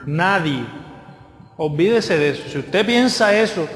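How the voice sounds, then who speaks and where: A male guest preacher, delivering a lively sermon and acting out the voices of people in his stories. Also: high-pitched, measured pace, soft background music. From Colombia. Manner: lively storytelling, acts out voices of others. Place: church hall. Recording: echoey church hall with long reverb.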